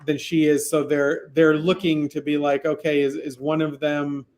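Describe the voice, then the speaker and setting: A man filmmaker in an interview, speaking in a measured way and building on his partner's points. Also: a little high, little pitch movement, a little mellow. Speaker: filmmaker, co-guest. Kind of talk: conversational interview.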